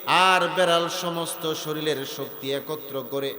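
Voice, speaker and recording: A man's voice: fairly high pitch, unhurried, sharp tone. A male Islamic preacher telling a story in a melodic, chanted sermon style. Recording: echoey outdoor PA, long reverb, faint music.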